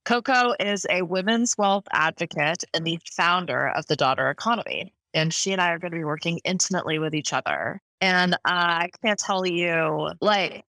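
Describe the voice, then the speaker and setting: A woman's voice: fairly low pitch, moderate pace, hardly any pauses, sharp tone, no room sound, low-quality recording. A woman hosting a podcast, introducing her guest in an effusive, rambling way from a hotel room. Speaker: podcast host. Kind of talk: enthusiastic interview introduction.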